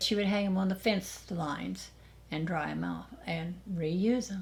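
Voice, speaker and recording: A fairly slow delivery in an American accent, with vocal fry. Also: woman. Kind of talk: interview answer.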